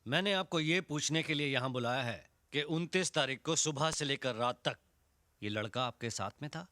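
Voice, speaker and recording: A man's voice: medium pitch, moderate pace, sharp tone, no room sound, natural voice. Fields: a man playing a stern police inspector. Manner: stern, commanding interrogation. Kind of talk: Hindi film acting.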